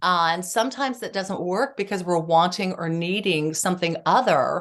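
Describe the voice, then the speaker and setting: In a plain, everyday voice, a woman talks at a moderate pace with medium pitch and ordinary pitch variation against a quiet background. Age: 50s. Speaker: psychotherapist and relationship expert. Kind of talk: interview.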